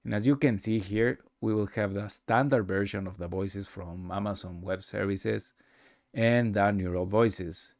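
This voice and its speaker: A man narrating a casual software tutorial with halting, rambling phrasing. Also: fairly low pitch, fairly even intonation, no echo, studio quality. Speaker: presenter of a software demo.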